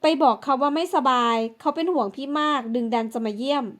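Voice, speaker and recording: A woman's voice: sits high, quick pace, a bit bright. A woman voicing a scheming, spoiled young woman who bosses her younger sister, in a bossy, pushy manner. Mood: pushy, blaming.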